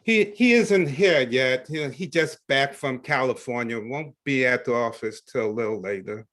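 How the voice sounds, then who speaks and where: A man playing a busy, dry magazine editor in a play reading, with a measured, deliberate manner. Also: mid-range voice, fairly bright tone, lightly acted. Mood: dry, curt. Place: online video call reading. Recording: video call audio.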